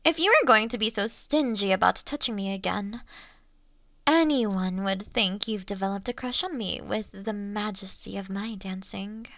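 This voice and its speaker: A woman playing an ancient, elegant monster in a Victorian fantasy audio drama, teasing her hunter in archaic, formal phrases with lingering pauses. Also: mid-range voice, a bit bright, no room sound, studio quality, close to an everyday voice. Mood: teasing, flirtatious. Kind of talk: slow theatrical roleplay monologue in Victorian fantasy audio drama.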